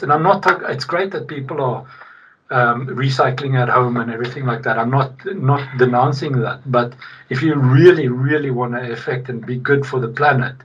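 A man's voice: medium pitch, a bit bright, slight background noise. A man from South Africa with a South African accent, talking conversationally as an interview guest, emphatic and repeating key points for weight. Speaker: podcast guest, logistics technology executive. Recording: distant, slightly muffled mic.

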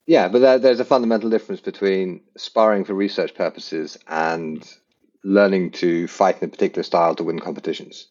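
Podcast host guy, lowish voice, measured questions, kinda muffled audio. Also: steady tone, a little mellow. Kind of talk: interview questions.

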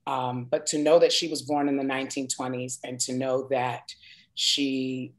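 A woman in her forties from New York, a singer chatting as a guest in an interview and telling stories in an expressive, emphatic way. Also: rumbling low, normal speed. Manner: warm, expressive storyteller with emphatic asides. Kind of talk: casual interview chat.

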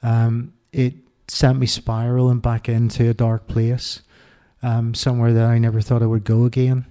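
In a monotone, mellow and low-key, a middle-aged Irish man opens up as the guest in a candid personal interview. He reflects haltingly, starting sentences over and filling gaps with ums.

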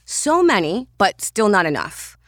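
A woman's voice: medium pitch, sing-song, a little slow, no echo, clean studio sound. A woman voice-over artist from Trinidad, speaking earnestly in a casual podcast interview and restarting her sentences as she works through ideas.

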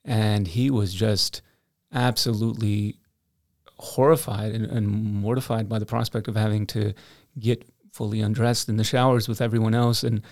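Young icelandic-raised guy chatting on a podcast, lowish voice, dry close sound, laughs a lot. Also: normal speed, creaky, no echo. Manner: animated storyteller, laughs often. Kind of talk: casual conversation.

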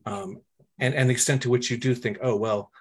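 A male interviewer asking a long question in a halting way, restarting and searching for words. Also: medium pitch, sing-song, gravelly, breathy edge.

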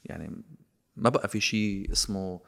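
A man with a Lebanese Arabic accent, talking politics in a casual, sarcastic, animated way and slipping into English phrases. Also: lowish voice, normal speed, creaky. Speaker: guest commentator.

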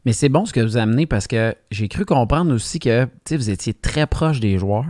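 A man's voice: medium pitch, lively intonation, brisk, darkish tone, no room sound, clean studio sound. A man with a Québécois French accent interviewing a guest, curious and encouraging, sometimes restarting his questions.

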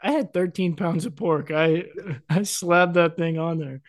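A man's voice: fairly high pitch, unhurried, no room sound, clean studio sound. A man co-hosting a podcast in casual chat, joking and laughing often. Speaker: podcast co-host.

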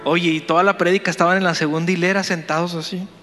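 A man, a pastor, telling a story in a sermon, animated and playful as he talks to the congregation. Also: sits high, quick pace, big-room sound, faint music behind.

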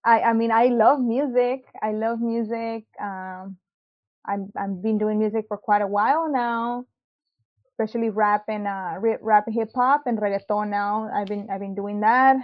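Her pitch is medium and her intonation fairly even as she talks a little slowly. A young Mexican-born woman who grew up in South Texas, she gives a relaxed personal testimony as an interview guest, laughing easily amid plenty of hesitant ums and likes, captured in dull lo-fi audio.

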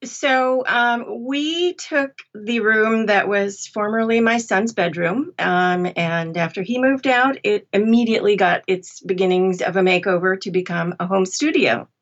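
A woman's voice: medium pitch, measured pace, hardly any pauses, lo-fi sound. A middle-aged woman speaking conversationally as an interview guest about her work. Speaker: interview guest, audiobook narrator.

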